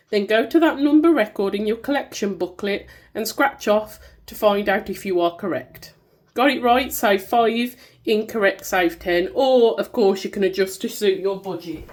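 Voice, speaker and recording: A woman's voice: medium pitch, a little mellow. A woman with a Black Country accent, bunged up and nasal from a cold, chatting casually and informally as she walks through products she has made. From Black Country, England. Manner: informal, self-deprecating, given to singing bits. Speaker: small-business content creator showing her products.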